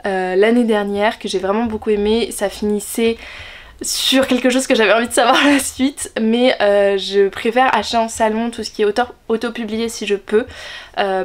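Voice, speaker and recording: Brief: young woman book vlogger, shy and hesitant, many fillers, keen, camera at desk distance. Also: mid-range voice. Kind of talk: casual book haul chat. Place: bedroom in front of a bookshelf, indoors.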